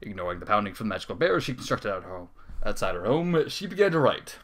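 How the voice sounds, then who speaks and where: A man's voice: on the low side, sing-song, fast talker. A man reading a comic fan story aloud as a dramatic narrator. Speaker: story reader.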